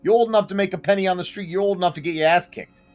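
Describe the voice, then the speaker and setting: A man's voice: high voice, racing, a little mellow, voice pushed up, lightly acted. Casting: hotheaded, profane Jersey thug, played by a man in a tabletop game, slightly raised voice, dull lo-fi sound with faint music. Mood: threatening. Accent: New Jersey. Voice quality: brash, profane, threatening. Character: hotheaded male mobster from Jersey, Louis.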